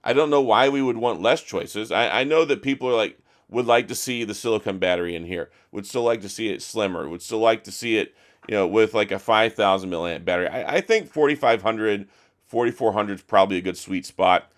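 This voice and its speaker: A middle-aged man with a hoarse, strained voice, chatting casually and with strong opinions as he reviews a phone to camera. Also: lowish voice, a little fast. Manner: chatty, opinionated, frequent restarts. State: hoarse, losing his voice. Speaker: tech reviewer.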